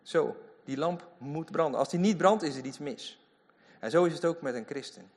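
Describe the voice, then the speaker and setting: A man preaching a lively sermon in a church, full of emphatic asides. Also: fairly high pitch, normal speed. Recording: long hall reverb.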